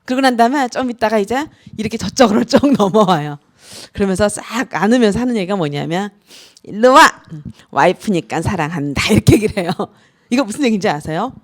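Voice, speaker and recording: A woman in her forties, a pastor's wife, giving a lively lecture at a student retreat and acting out little quoted scenes as she tells stories. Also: mid-range voice, fast talker. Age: 40s. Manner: lively storytelling, acts out quotes.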